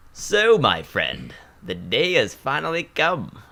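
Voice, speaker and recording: A man puts on a gruff, high-pitched character voice. He delivers it at a fairly slow pace. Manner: gruff, rough.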